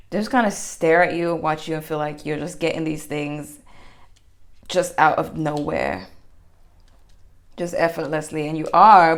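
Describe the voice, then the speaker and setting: Low-voiced woman doing a rambling tarot reading. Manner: rambling, many fillers and restarts. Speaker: tarot reader. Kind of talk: general tarot reading, casual monologue.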